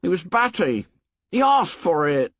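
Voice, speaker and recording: A man voicing a shrill, nearsighted, anxious schoolboy who talks in rough, ungrammatical boy's speech. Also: big pitch swings, a little slow, fairly bright tone, dry recording, muffled recording, heavily acted. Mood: agitated. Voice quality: shrill, pleading.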